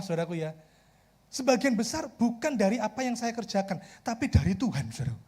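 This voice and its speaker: A middle-aged man with a Javanese accent preaching a sermon as a pastor, lively and humorous, acting out the people he quotes. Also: very high voice.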